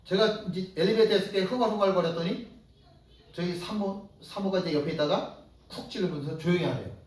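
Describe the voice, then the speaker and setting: A male pastor preaching a sermon in a lively way, acting out the voices of ordinary people as he goes. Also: high voice, brisk. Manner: animated, acts out everyday voices in quotes. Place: church sanctuary. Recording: echoey church hall, distant mic.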